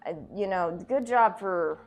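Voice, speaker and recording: This is a woman at medium pitch and a measured pace, hosting a video essay. Her commentary is casual and joking, sarcastic, irreverent, profane and somewhat theatrical, on a rough recording over background music.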